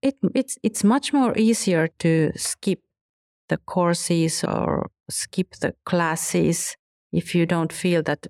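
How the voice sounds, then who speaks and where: Non-native English-speaking woman, interview guest, hesitant with many restarts, lowish pitch. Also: darkish tone, no echo, clean studio sound. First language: neither English nor Finnish. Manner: halting, with frequent restarts and searching for words. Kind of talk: conversational interview.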